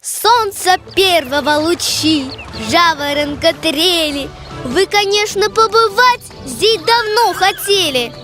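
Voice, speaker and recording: A childlike voice reciting verse as narration for a children's cartoon, in a measured, declamatory way. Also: very high voice, expressive. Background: music.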